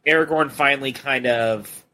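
A man's voice: mid-range voice, moderate pace, bright, forceful tone, slight background noise. A man co-hosting a podcast, casually and enthusiastically talking through scenes of a film. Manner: enthusiastic, recounts scenes with quoted lines. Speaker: podcast co-host.

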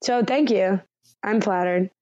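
A woman co-hosting a reality TV recap podcast in casual chat, laughing often and retelling scenes with animated quotes. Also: mid-range voice, a little slow, lo-fi sound, a little hiss or hum. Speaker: podcast co-host.

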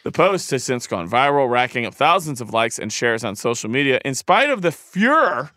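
A man's voice: medium pitch, moderate pace, no room sound, studio quality. A man co-hosting a comedy podcast, reading out a news story and quoting it in playful voices. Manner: reads quotes aloud with animated mock voices. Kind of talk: casual comedy podcast banter.

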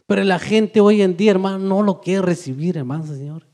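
Fervent preacher, loud then hushed. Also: male voice, high voice, brisk. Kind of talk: evangelical sermon.

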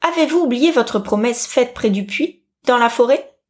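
A woman's voice: fairly high pitch, expressive, normal speed, a little mellow, voice pushed up, lightly acted. Storybook toad, male, slimy and stubborn, coaxing and insistent , read by a woman narrator. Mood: pleading.

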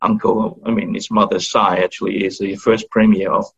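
A man's voice: low-pitched, flat delivery, moderate pace, gravelly, breathy edge. A man with an Australian accent, talking hesitantly as an interview guest with many fillers and restarts. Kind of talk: casual interview talk. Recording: dull lo-fi recording.

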